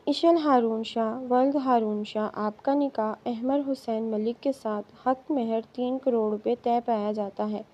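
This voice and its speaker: Formal slow cleric guy, woman reading him, muffled sound. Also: fairly high pitch, steady tone, mellow, close to an everyday voice. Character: formal middle-aged male cleric officiating.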